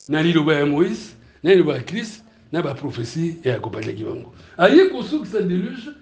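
A male preacher with a Congolese French accent and a high voice delivers a lively sermon that mixes teaching with questions to the congregation. He's animated, laughs between points, and keeps asking the room whether it's clear, his voice echoing around a roomy hall.

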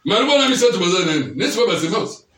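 A man's voice: sits high, very animated, quick pace, fairly bright tone. A man preaching a teaching sermon, often checking that his listeners follow him with questions. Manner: keeps quizzing listeners with questions. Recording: echoey room, mic far off.

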